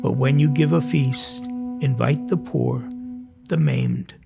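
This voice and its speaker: Gravelly older man, preaching through stories. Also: mid-range voice, steady tone, slow, loud music behind the voice. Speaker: priest and host of a religious program. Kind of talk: conversational sermon with personal storytelling.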